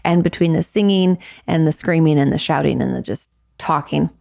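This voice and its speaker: A woman who hosts an advice podcast as a licensed therapist, talking in a candid, casual way with a hoarse, raspy voice. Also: low-pitched, moderate pace, no echo, clean studio sound. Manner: warm, candid, talks freely with fillers and asides. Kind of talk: casual advice podcast, answering listener questions.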